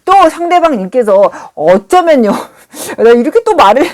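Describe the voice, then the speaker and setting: A middle-aged woman reading tarot cards aloud for viewers, lively and chatty, slipping into scolding asides and exclamations. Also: sits high, a little slow. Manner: animated, swings between pleading and scolding asides. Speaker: tarot reader and shaman. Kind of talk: live tarot reading monologue.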